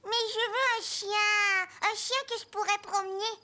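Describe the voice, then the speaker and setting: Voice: very high voice, little pitch movement, measured pace. An actor playing a curious, eager four-year-old boy in a French-language children's cartoon. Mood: pleading.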